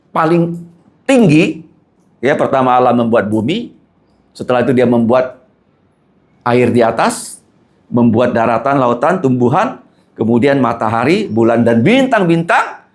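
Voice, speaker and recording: Animated pastor teaching a class. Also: male voice, medium pitch. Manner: lively, asks the class questions and answers them.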